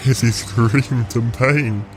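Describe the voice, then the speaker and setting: A man playing a vengeful clone villain in an audio roleplay, telling his story in a deliberate, gloating, theatrical way. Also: medium pitch, fairly even intonation, natural voice. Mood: cold, vengeful. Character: vengeful male clone villain plotting to destroy a reality. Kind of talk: scripted audio roleplay monologue. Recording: music behind the voice.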